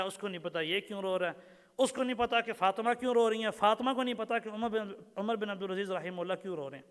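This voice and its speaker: A male preacher with a high, resonant voice tells stories and recites verses in a lecture. He repeats key phrases and asks his listeners questions. The sound carries a long reverb from the hall. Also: fairly bright tone, clean tone. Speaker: religious lecturer. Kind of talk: Urdu sermon lecture.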